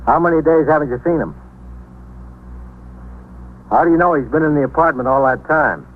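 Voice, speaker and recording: An actor playing a brisk police desk sergeant taking phone calls in a 1950s radio drama. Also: male voice, on the high side, natural voice. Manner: brisk, businesslike. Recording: tinny old radio recording.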